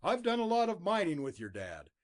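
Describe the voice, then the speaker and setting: A man voicing a big adult miner, in a higher, livelier voice than his narration. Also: wildly swooping pitch, a little fast. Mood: uneasy.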